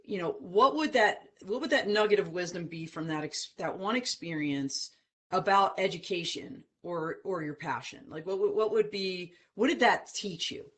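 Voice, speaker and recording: A man's voice: high-pitched, normal speed, fairly bright tone, a little hiss or hum. A man hosting a podcast interview, who asks questions casually and encourages his guest. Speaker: podcast host.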